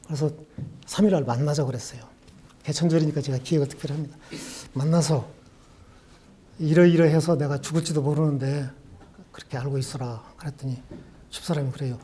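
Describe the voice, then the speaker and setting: An older man from Jeolla, South Korea, in his sixties, telling stories from his life at a farewell lecture. His voice is mellow and dark with a husky edge, and he unfolds each anecdote in a reflective, conversational way. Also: a little high, brisk, pauses often. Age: 60s. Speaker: law professor. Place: university lecture room.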